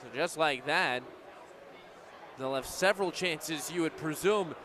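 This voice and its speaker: A young American man in his twenties does live radio play-by-play at a sports venue, his voice on the high side and a little slow. Crowd noise and gym sounds from the game fill the background.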